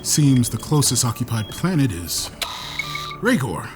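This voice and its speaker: A brash male starship captain for a sci-fi audio drama. He commands with wry, playful teasing and swings widely in pitch. Prominent music plays behind him. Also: sing-song, a little slow. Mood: dry, firm.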